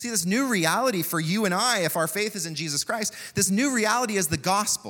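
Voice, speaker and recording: A loud man's voice with a Canadian accent, high in pitch with ordinary variation, a bright, sharp tone and a fairly quick pace. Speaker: pastor. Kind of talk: sermon. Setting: church.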